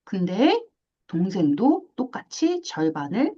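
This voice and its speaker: A woman teaching a math class, lively, asking questions and acting out little scenes. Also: medium pitch, slow, slightly rough, lo-fi sound. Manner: animated, asks questions and acts out little scenes. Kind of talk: classroom lecture.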